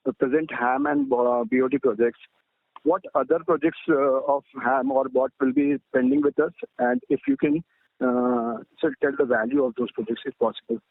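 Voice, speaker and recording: A man with an Indian accent asking questions as an investor on an earnings call, polite and halting, over a phone line. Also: mid-range voice, big pitch swings, vocal fry, no room sound.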